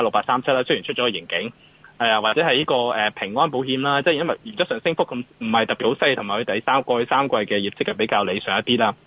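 A man's voice: medium pitch, slightly rough, muffled recording. A man with a Hong Kong Cantonese accent giving off-the-cuff market commentary as an analyst, in a hesitant way that circles back over phrases.

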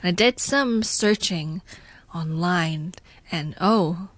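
A woman's voice: on the low side, slow pace, dry recording. Young woman, dry close sound. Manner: explanatory, agreeable, many short yeses. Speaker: radio guest, slang explainer. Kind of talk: casual radio chat.

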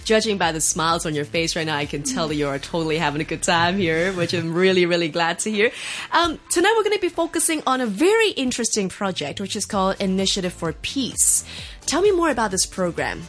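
A woman's voice: lowish voice, expressive, brisk, fairly bright tone, faint music behind. A woman hosting a studio talk show who introduces her student guests and reacts to them with bubbly enthusiasm.

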